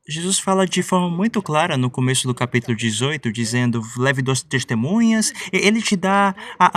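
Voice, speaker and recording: A man preaching a sermon, telling a story in a lively way and giving voice to the people in it. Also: a little high, distant mic. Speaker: pastor.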